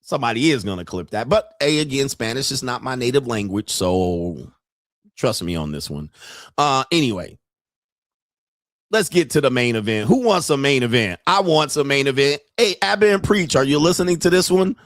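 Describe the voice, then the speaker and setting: A man's voice: medium pitch, animated, moderate pace, fairly bright tone, no echo, clean studio sound. A man hosting a casual commentary livestream, joking and rambling in slangy talk. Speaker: podcast host.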